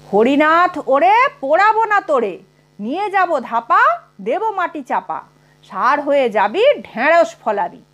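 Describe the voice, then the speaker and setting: A woman voicing a cranky middle-aged male professor who recites spiteful doggerel slowly and grandly, in a Bengali storybook reading. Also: high voice, big pitch swings, fairly bright tone, exaggerated voice. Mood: mock-grand. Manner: slow, mock-grand recitation.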